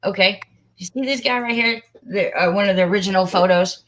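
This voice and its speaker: A woman hosting a casual livestream, chatty and excitable, muttering to herself as she searches for something. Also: mid-range voice, brisk, poor audio. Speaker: livestream host.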